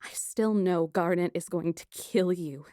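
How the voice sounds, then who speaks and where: A woman voicing a defiant, sarcastic, highly strung female engineer in an audiobook. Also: unhurried, no echo, clean studio sound, natural voice. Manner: sarcastic, defiant, flat retorts. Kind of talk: audiobook character acting.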